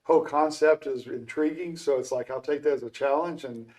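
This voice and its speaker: An older man hosting a relaxed interview, talking in a chatty, rambling way. His voice sits a little high for a man, and he circles back and restarts his questions. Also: fairly quick. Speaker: show host. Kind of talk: casual interview conversation.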